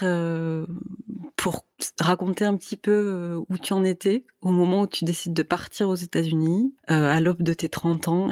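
A woman interviewer with a fairly low voice asks long, hesitant questions full of fillers. Her voice sounds dry and close. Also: a little mellow, dry recording.

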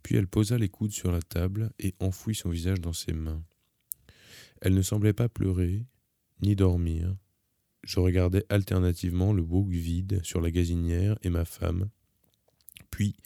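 A man calmly reading a novel aloud in the first person, measured and even. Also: deep voice, creaky, dry recording, studio quality. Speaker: audiobook narrator.

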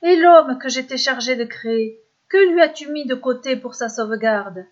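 A solemn male titan of myth with a vibrant voice, as a woman storyteller puts him on. He speaks slowly and gravely, in a fairly high register, like a creator addressing his creation. The storybook recording sounds dull and lo-fi. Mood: alarmed.

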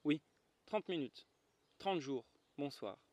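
A man voicing a tired, dutiful male lamplighter who speaks in a flat, resigned way. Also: a little high, slow pace, dry recording. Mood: weary.

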